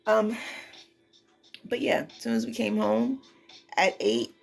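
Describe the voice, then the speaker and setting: A woman vlogger chatting casually, sounding exhausted and weary, with a creaky, gravelly voice. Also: fairly high pitch, steady tone, slow, faint music behind. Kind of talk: casual vlog chat.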